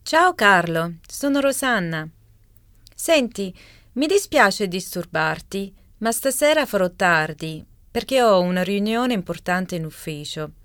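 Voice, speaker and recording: A woman voicing a caller who leaves a voicemail, in slow, carefully enunciated scripted speech. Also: mid-range voice, expressive, fairly bright tone. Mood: apologetic. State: leaving a voicemail message. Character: adult woman leaving a voicemail for her partner. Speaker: voice actor in a language listening exam. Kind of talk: scripted exam dialogue reading.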